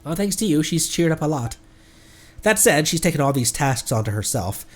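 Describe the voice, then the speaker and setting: A man's voice: a little high, big pitch swings, normal speed. A man voicing a polite, enthusiastic researcher from a fantasy game, chatty and courteous as he reads the dialogue aloud. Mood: friendly, earnest.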